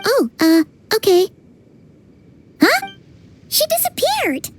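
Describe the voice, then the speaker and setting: A woman voicing a small, chatty, easily spooked fairy companion with a squeaky childlike voice in a video game. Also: slow, heavily acted. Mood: polite, surprised. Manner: speaks of self in third person, excitable.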